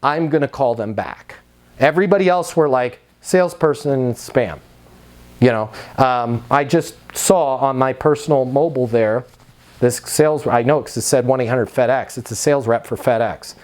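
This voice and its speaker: A man's voice: medium pitch, moderate pace, darkish tone. An American man coaching on sales in a conversational, instructive way, slipping into acted-out example dialogue.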